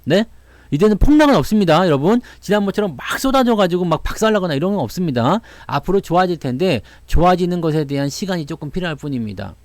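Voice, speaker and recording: A man's voice: high voice, lively intonation, fast, darkish tone, no echo. A man talking casually to viewers about the stock market, telling stories and acting out the voices of people he quotes. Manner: chatty storytelling, acts out quoted voices, laughs often.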